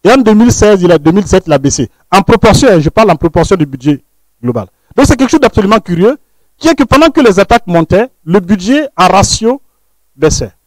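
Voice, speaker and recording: High-voiced man, emphatic lecturer. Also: sing-song, fast talker, no room sound, poor audio. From Burkina Faso. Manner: emphatic, lecturing, with frequent word repeats and phrase ends that drop low. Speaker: panelist, researcher. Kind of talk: analytical panel talk.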